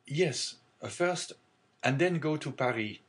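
A man reading aloud and voicing an earnest, respectful young sailor who speaks gravely and eagerly. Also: on the high side, animated, a little slow. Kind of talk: audiobook character reading.

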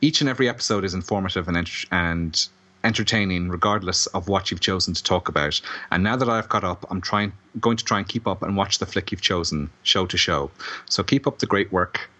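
A man's voice: low voice, a little fast, bright, forceful tone. An Irish man chatting casually as a co-host on a podcast. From Ireland. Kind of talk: casual chat.

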